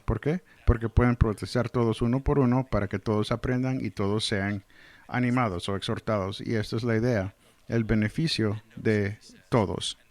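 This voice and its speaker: A medium-pitched man, recorded with no room sound, translates a pastor's sermon into Spanish. He goes verse by verse, earnestly reading scripture and then explaining it.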